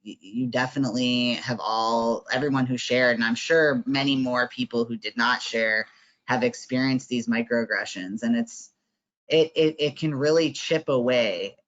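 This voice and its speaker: Man, workshop facilitator, mid-pitched voice, conversational, fillers and tag questions, muffled call audio. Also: fairly even intonation, normal speed, a bit bright. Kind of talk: online workshop presentation.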